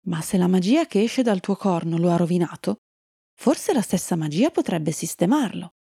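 A woman's voice: lowish voice, lively intonation, normal speed, vocal fry, dark tone, breathy edge, dry recording, clean studio sound, heavily acted. A woman voicing an earnest, outspoken young female unicorn in a children's story, speaking directly and insistently.

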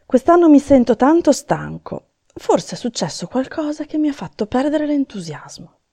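A woman voicing a tired old Santa Claus in a storybook reading, gloomy, gentle and weary. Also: sits high, sing-song, moderate pace, pitched above the performer's own voice.

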